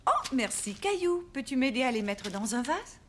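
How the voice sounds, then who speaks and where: A woman's voice: sits high, sing-song, normal speed, a bit bright, a little hiss or hum. A woman playing a kind, encouraging young mother in a children's cartoon. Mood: pleased. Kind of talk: French-language children's cartoon dialogue.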